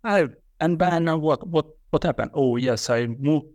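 A man's voice: a little high, unhurried, a little mellow, no echo, clean studio sound. Italian man with a hesitant accent. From Italy. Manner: hesitant, many fillers and restarts. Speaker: guest author. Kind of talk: podcast interview.

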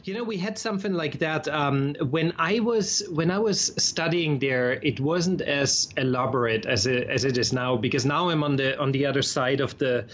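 A man's voice: fairly high pitch, normal speed, few pauses, fairly bright tone, lo-fi sound. A man from Austria with an Austrian accent, a guest in a casual interview, talking in a chatty way with frequent restarts and repeated words.

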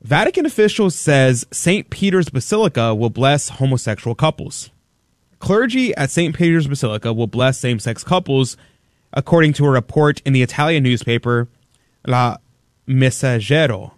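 Male talk radio host, mid pitch, dry studio sound, emphatic and indignant. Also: expressive, normal speed, no echo. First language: English. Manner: emphatic, indignant, rhetorical questions. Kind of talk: opinionated talk radio commentary.

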